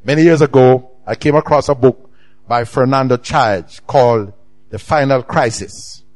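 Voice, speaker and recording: A middle-aged man with a Jamaican accent, preaching a sermon with emphatic swings in pitch and loudness. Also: moderate pace. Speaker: pastor.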